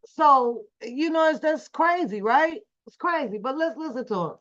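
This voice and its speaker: A woman's voice: high-pitched, expressive, moderate pace, fairly bright tone. An American woman hosting a casual livestream, commenting on video clips indignantly and repeating phrases for emphasis. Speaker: livestream host. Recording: dull, lo-fi livestream audio.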